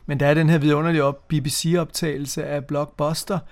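Speaking in a slightly high voice with little pitch movement, a co-host from Denmark in his fifties chats casually on the radio about music. He hesitates while recalling memories, often repeating words and restarting.

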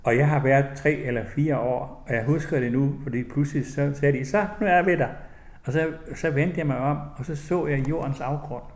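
A man's voice: mid-range voice, fairly even intonation. Older Danish man, reflective, in a roomy space. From West Jutland, Denmark. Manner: gentle, reflective, halting, with restarts; slow, measured reading voice. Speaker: author. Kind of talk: personal memories, then reading aloud from his book.

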